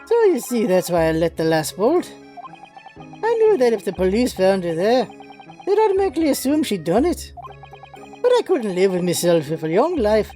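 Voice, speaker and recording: A man voicing a smooth, genial, self-righteous gentleman in a video game. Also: high voice, huge pitch swings, moderate pace, faint music behind. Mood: genial, self-assured.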